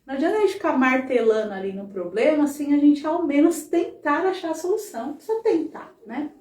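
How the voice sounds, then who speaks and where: A woman gives a chatty talk at a spiritist center, constantly checking in with her listeners through tag questions. Her voice sits high and is animated, brisk, and darkish in tone. She is off the mic, and the sound is roomy.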